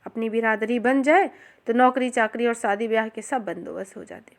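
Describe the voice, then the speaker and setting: A woman's voice: a little high, moderate pace, lightly acted. A woman voicing a proud, stubborn middle-aged village shoemaker who speaks firmly and plainly. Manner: firm, resentful, plainspoken.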